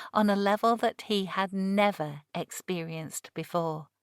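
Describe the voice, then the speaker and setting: A woman with a West Yorkshire accent speaks fairly slowly at medium pitch. The recording is very clean and silent behind her, with a dry, close sound and no echo. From West Yorkshire, England. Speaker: voice actor and narrator. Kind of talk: audiobook narration.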